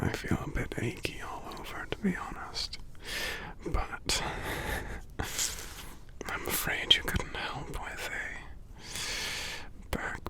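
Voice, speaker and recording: An ASMR roleplay giant, voiced by a man, under the weather and drowsy, whispering tenderly to a lover. The delivery is extremely slow and halting, with soft murmured hums between phrases. The voice is breathy, dropping into low, gravelly tones. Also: full character voice. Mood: weary, gentle. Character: sick, gentle, affectionate male giant lover.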